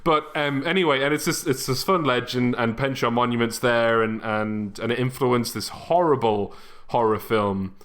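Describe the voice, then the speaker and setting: A man's voice: medium pitch, moderate pace, hardly any pauses, fairly bright tone. A man chatting casually as a podcast host, with a wry, self-deprecating manner. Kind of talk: casual chat.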